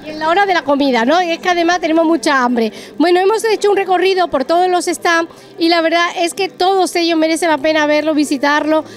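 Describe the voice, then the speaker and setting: A middle-aged woman works as an on-location reporter in a busy Christmas market hall, chatting effusively through interviews and commentary. Her very high voice races along with hardly any pauses, picked up on a handheld reporter mic amid crowd chatter.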